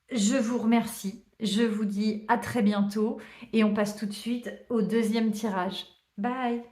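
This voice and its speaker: A woman giving a casual tarot card reading to her viewers, chatty and hesitant, often pausing with "euh". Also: fairly high pitch. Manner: chatty, warm thanks, many hesitations and small laughs. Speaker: tarot reader. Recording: roomy echo.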